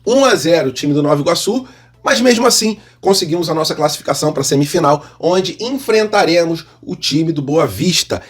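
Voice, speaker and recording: A man with a Brazilian accent and husky voice, hosting informal football news as a partisan fan who addresses viewers directly. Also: fairly high pitch, lively intonation, fairly quick. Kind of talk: informal sports news commentary.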